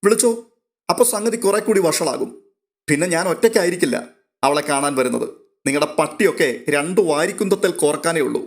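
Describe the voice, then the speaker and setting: A man's voice: fairly high pitch, expressive, fairly quick. Guy doing a drunk stubborn young dude in a storybook, tired but threatening. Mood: menacing. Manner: weary yet threatening. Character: drunk, stubborn young man, menacing jilted lover.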